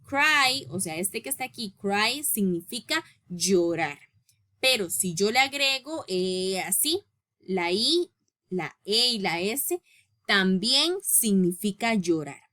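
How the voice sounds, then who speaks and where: Slow, bright-voiced woman teaching English. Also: mid-range voice, expressive. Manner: patient, explains step by step, checks in with "¿ok?" and "¿ves?"; reads English rules slowly and deliberately. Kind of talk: recorded grammar lesson.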